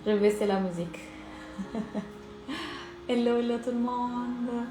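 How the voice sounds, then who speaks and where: Over music in an echoey, noisy room, a life and business coach from Italy, with an Italian accent, energetically speaks straight to viewers of her live-streamed masterclass. Her voice is on the high side, steady, and unhurried.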